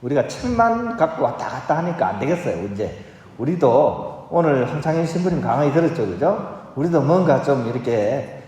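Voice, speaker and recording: A man's voice: medium pitch, big pitch swings, normal speed, dark tone. A man, a Catholic priest, reading the Gospel and then giving a playful homily that coaxes the congregation to join in. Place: large church. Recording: echoey church hall.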